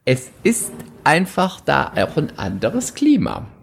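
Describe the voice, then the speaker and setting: A man's voice: a little high, takes it slowly, vocal fry, husky. A man from Thuringia in eastern Germany telling an anecdote in a casual chat, acting out the quotes and using many fillers. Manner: animated storyteller, acts out quotes, many fillers. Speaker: actor and podcast guest.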